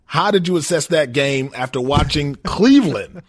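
A man from Minnesota co-hosting a sports talk radio show, talking in animated bursts and laughing as he makes his points. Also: fairly high pitch, moderate pace. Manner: animated, laughs often, stresses words for emphasis. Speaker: fill-in sports radio host.

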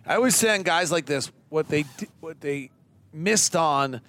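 A man's voice: fairly high pitch, normal speed. A man co-hosting a postgame sports radio show, breaking down the game and telling jokes and stories in a studio. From California. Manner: animated, joking, storytelling. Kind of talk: postgame analysis chat. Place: closed studio near an arena.

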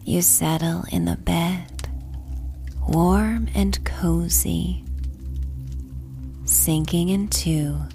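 Very slow, soft woman narrating a sleep story. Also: lowish voice, steady tone. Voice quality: soft, breathy, half-whispered. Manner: gentle, unhurried, pausing between short phrases. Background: music.

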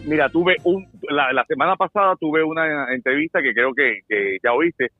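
A man's voice: on the high side, normal speed, dry recording, narrow, tinny audio, faint music behind. An older man with a Cuban accent, an actor chatting casually and telling joking stories. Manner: joking storyteller, acts out quotes. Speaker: actor and guest. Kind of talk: casual chat.

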